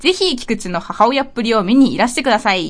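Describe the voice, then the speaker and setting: Her pace runs fairly quick. The woman's voice sits fairly high in pitch. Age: 20s. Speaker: radio host and stage actress. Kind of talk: casual solo radio talk.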